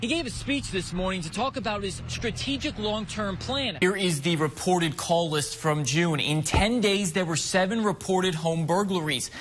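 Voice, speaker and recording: Over noticeable background noise, a man talks at a moderate pace with hardly any pauses. His voice is high and his intonation lively. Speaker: TV news reporter. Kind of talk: TV news reporter package.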